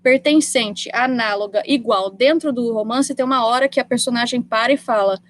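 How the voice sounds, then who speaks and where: A young woman giving an academic literature talk in a measured way over a video call. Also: on the high side, slight background noise. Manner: measured, reads quotations aloud. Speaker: presenter. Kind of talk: academic presentation.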